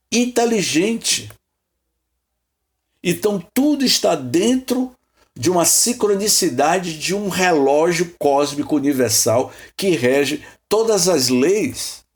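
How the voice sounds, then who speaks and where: A man's voice: sits high, lively intonation, slow. A man from Salvador leads an informal teaching session. He rambles, repeats himself, asks rhetorical questions and calls on people by name. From Salvador, Bahia, Brazil. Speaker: host leading a spiritist study session.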